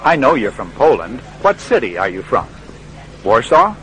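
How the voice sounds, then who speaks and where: A friendly radio reporter in a scripted learner dialogue. He speaks clearly and patiently with a lively, bouncing intonation, and there is a faint hiss behind him. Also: mid-range voice, normal speed, rough recording. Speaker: interviewer.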